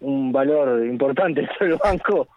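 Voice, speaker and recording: A man's voice: mid-range voice, animated, unhurried, dry recording. A man calling in to a radio show over a patchy, choppy phone connection, telling wry anecdotes about his job in a casual, chatty way. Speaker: radio caller, bank teller. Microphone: telephone. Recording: dull lo-fi phone line, dry.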